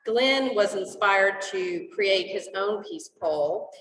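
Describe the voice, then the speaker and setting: A woman facilitator gives clear, organized instructions to a room of club members. Her voice sounds a little distant from the mic, with a roomy echo and long reverb around it. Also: medium pitch, lively intonation, slow pace, background noise. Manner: organized, directive. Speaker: meeting facilitator. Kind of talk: giving group instructions. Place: meeting hall. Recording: echoey hall, mic held at a distance.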